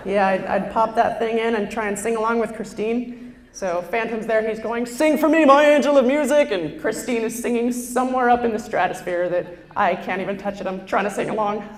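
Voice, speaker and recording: A young woman with a very low contralto voice, doing a chatty, self-deprecating stand-up routine on a lapel mic on a live stage. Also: fairly even intonation, a little fast. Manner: self-deprecating, chatty, with frequent fillers and restarts. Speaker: stand-up comedian. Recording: roomy hall reverb, faint ambience.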